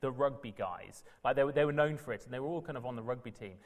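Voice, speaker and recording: A man speaks with a Welsh accent. His pace is very fast. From South Wales. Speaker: Anglican minister, former barrister. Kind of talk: lecture.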